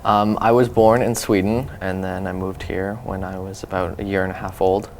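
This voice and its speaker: Teenage boy, very low flat voice. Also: moderate pace, slight background noise. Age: teens. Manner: relaxed, many ums. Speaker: guest. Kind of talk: casual interview answers.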